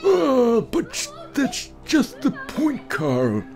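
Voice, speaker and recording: A man voicing an elderly, insistent and theatrical gentleman doctor in a dramatized horror story. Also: very high voice, wildly swooping pitch, very slow, gravelly, over music, voice pushed up, exaggerated voice. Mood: insistent, excited. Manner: emphatic, theatrical, repeats himself. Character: elderly male doctor friend, genial, insistent, argumentative host.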